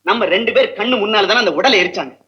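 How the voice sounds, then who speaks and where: A man's voice: sits high, pushed and bright, dull audio. An actor playing a doubtful doctor who insists a woman died before his eyes. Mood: skeptical. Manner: skeptical, quick. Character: doubtful doctor resisting the mystery.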